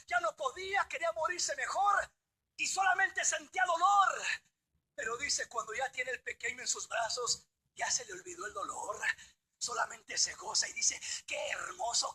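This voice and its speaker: A male pastor preaching a sermon, swinging between fervent shouting and hushed, intimate pleading. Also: very high-pitched. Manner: impassioned preaching, shouting then dropping to hushed tones.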